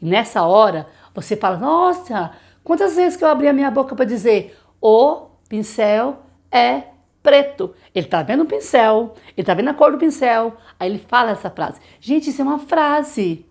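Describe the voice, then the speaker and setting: A woman's voice: on the high side, animated. Brazilian woman teaching literacy methods. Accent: Brazilian Portuguese. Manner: explanatory, asks rhetorical questions and slowly sounds out example words. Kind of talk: teacher training lesson.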